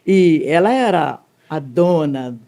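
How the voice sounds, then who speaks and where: A middle-aged woman, telling an emotional faith testimony as a guest, animated and wide-ranging in pitch, often tagging "né". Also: slow, creaky. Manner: animated, swings widely in pitch, leans on "né" tag questions.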